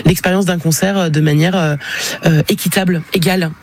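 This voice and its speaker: A woman's voice: on the low side, steady tone, a little fast, a little mellow, slight background noise. A woman of about forty, a singer, answering radio interview questions frankly and animatedly, with many fillers and restarts. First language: French.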